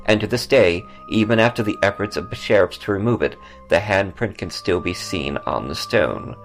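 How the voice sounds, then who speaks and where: A man's voice: sits low, normal speed, low-quality recording. A man hosting a podcast, reading scripted ghost stories and travel notes over music. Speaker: podcast host and author. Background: background music.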